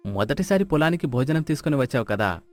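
An actor playing a mild, long-suffering village farmer and husband. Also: male voice, mid-range voice, very animated, quick pace, natural voice. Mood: pleased. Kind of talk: moral storybook character voice. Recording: music behind the voice.

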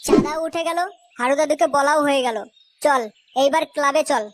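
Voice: high voice, brisk, a little hiss or hum, close to an everyday voice. A performer voicing a brash, sly small youngster in a comedy cartoon, blunt and slangy in speech. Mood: sly, mocking.

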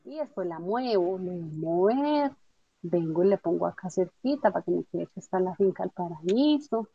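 A woman teaching a software tutorial step by step, patiently checking that her student follows along. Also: on the low side, animated, normal speed, a little hiss or hum. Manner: patient, explanatory, checks understanding with tag questions. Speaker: instructor. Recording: dull lo-fi dry audio.

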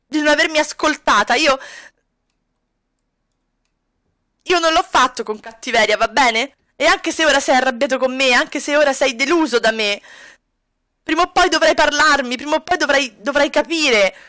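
A woman's voice: high-pitched, a little fast, pushed and bright, pitched above the performer's own voice. A woman voicing a sweet-acting young woman who is defensive and stubborn, pleading and insisting in acted dialogue for a life-sim game. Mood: defiant.

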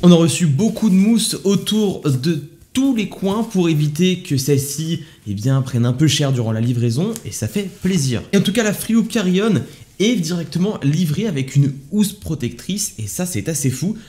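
A man's voice: fairly high pitch, animated, normal speed, warm tone. Upbeat man doing a product unboxing. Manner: enthusiastic, upbeat salesy delivery. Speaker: YouTube tech reviewer.

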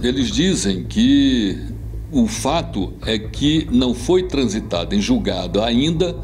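A Brazilian man in his sixties, a government official, answering a TV interview indoors in a measured, halting way. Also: medium pitch, very animated, darkish tone, slight background noise. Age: 60s. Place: indoor room.

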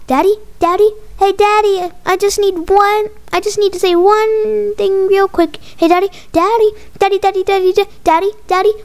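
An insistent little child acted by a woman in a storybook, with an extremely high, squeaky voice. The delivery is pleading and repetitive, nagging a parent without letup. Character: pestering, insistent small child begging a parent.

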